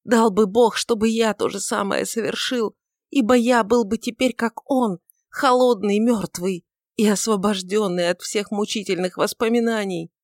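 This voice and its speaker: A woman's voice: mid-range voice, fairly even intonation, normal speed, no echo, studio quality, pitched above the performer's own voice, close to an everyday voice. A woman reading aloud and voicing a grown male apostle, anguished and desperate, in wailing, frantic outcries. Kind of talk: audiobook reading of a dramatic novel.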